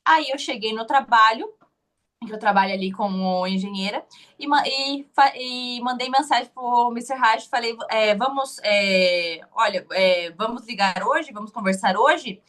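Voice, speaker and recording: A woman's voice: fairly high pitch, a little slow, fairly bright tone. A young woman with a Curitiba Brazilian Portuguese accent, telling her interview story casually, hesitant with many restarts.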